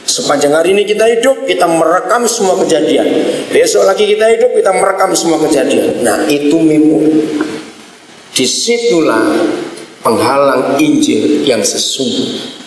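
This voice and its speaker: A man preaching a sermon, telling a story with big swings in pitch and slowed, drawn-out emphasis. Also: expressive, slight background noise. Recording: distant mic in echoey hall.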